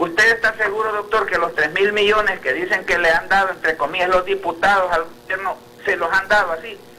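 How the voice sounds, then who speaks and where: Over noticeable background noise, a man talks at a fairly quick pace. His high voice is raised and projected. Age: 60s. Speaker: lawyer. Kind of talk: heated debate. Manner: animated.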